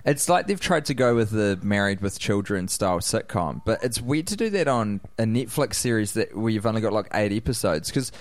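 A man co-hosting a casual comedy podcast, chatty and quick to laugh, swearing now and then. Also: fairly low pitch, very animated, no echo. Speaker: podcast co-host.

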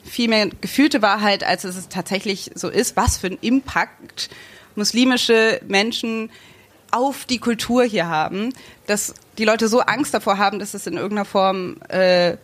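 A woman's voice: medium pitch, normal speed. Hesitant young woman, thinking aloud. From Germany, raised bilingual. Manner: hesitant, searching for words with many fillers. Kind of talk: casual chat.

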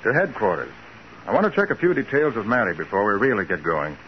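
Sharp-witted american detective, 40s radio drama, assured and wry, very animated, dull old recording. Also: male voice, lowish voice, fast. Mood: businesslike. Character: resourceful, confident male private detective. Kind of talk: 1940s radio drama acting. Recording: muffled 1940s radio recording, faint noise.

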